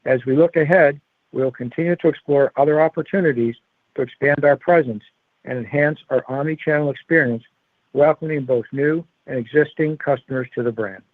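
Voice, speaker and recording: Phone-line businessman, slightly high voice. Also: brisk, no echo. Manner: formal, scripted corporate delivery. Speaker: company executive. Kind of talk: prepared earnings call remarks, read aloud. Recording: narrow-band phone conference line.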